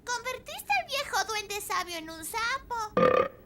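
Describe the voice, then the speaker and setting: Cartoon dub: inquisitive little princess girl, very high and lively, Latin American Spanish. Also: takes it slowly, heavy background noise, exaggerated voice. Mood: curious. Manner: bright, inquisitive. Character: sweet, curious little fairy princess girl. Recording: music behind.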